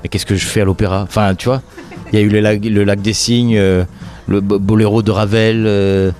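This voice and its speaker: A comedian from the French Riviera chatting in an interview, full of fillers and restarts and quick jokes. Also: male voice, on the low side, flat delivery, a little mellow, faint music behind. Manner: hesitant, many fillers and restarts, jokey. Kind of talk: casual interview chat.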